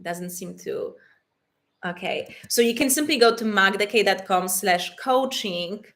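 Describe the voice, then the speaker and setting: A woman from Poland with a Polish accent, hosting a live stream as an intimacy coach and answering chat questions warmly and with frequent laughter. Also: medium pitch, lively intonation, unhurried. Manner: warm and affectionate, calls viewers "my loves", laughs often.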